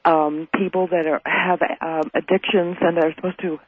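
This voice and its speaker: A man's voice: on the high side, level tone, moderate pace, slightly rough, dry recording, phone-quality sound. A man calling in to a radio talk show, questioning the guest in a suspicious, challenging way. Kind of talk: call-in radio conversation.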